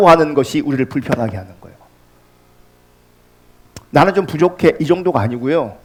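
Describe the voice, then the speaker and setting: Male pastor, high voice, wildly swooping delivery, passionate sermon, loud peaks and hushed drops. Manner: impassioned preaching, swinging from loud peaks to hushed lines.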